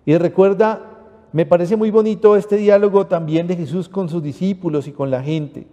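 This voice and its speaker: A Panamanian priest preaching a homily in a deep, mellow, dark-toned voice that sits a touch higher than most men. He speaks earnestly and keeps addressing the listeners as brothers. A long reverb trails after his words, as in a large hall. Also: steady tone, moderate pace, dull audio. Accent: Panamanian Spanish. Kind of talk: sermon.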